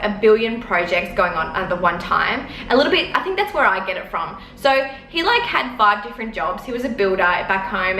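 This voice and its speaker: A woman's voice: mid-range voice, pushed and bright. A young woman in her twenties rambling chattily with lots of fillers while telling a story from her lounge room. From Australia. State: sore eyes from smoke. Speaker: vlogger. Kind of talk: casual storytelling to camera. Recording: echoey room, faint background noise.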